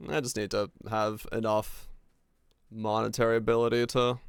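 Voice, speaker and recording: Man, young adult, neutral North American accent, smooth clear voice, relaxed rambling stream chat, casual swearing. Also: on the low side, normal speed, no room sound. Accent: neutral North American English. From Finland. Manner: laid-back, rambling, swears casually, restarts often. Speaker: game streamer.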